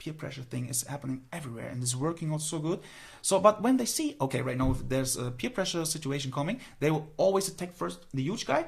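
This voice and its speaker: A man with a German accent speaks very fast in a fairly high, somewhat breathy voice with lively intonation. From Germany. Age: 30s. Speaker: bodybuilder and protest organizer. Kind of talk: podcast interview. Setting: studio. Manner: halting.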